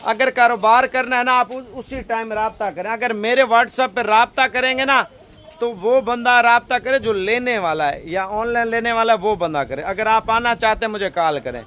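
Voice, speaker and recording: A young Pakistani man with a high voice talks straight into a phone camera held at arm's length. He makes a persuasive sales pitch from an outdoor goat pen. He fills his talk with pious stock phrases. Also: normal speed, bright, forceful tone. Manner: persuasive, salesy, heavy religious fillers. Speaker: goat farm seller.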